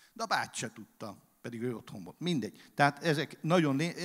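The speaker uses very wide pitch swings and vocal fry at a fairly quick pace over a quiet background. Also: man. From Hungary. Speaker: pastor. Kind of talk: sermon. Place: church. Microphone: handheld.

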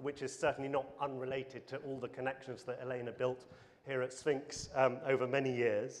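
At a fairly quick pace, a man speaks with a British accent. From England. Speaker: panel moderator and pianist. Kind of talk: panel discussion. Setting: stage with audience. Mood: warm, self-deprecating, laughing. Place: stage. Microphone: lapel.

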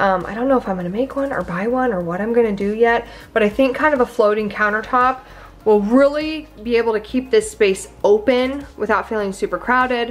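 Fairly quick speech from a woman, with ordinary pitch variation. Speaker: home renovation vlogger. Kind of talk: casual vlog chat. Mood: upbeat, excited. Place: home room. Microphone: phone near.

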